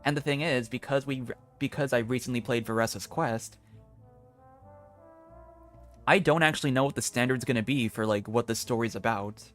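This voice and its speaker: A man's voice: mid-range voice, fast talker, a bit bright, faint music behind. A man giving casual, rambling commentary as he streams a video game. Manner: rambling, frequent "like". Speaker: gaming streamer. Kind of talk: casual game commentary and dialogue read-aloud.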